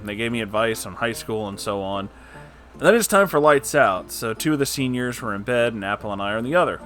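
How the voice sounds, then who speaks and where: A man who hosts a story-reading channel reads online posts aloud, breaking in with animated, casual, joking asides. His pitch is medium.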